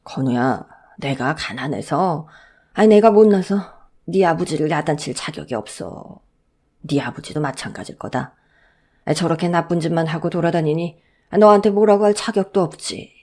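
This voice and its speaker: A woman voicing a poor, gentle old grandfather who speaks low and resigned in a Korean audio story. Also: normal speed. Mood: sorrowful.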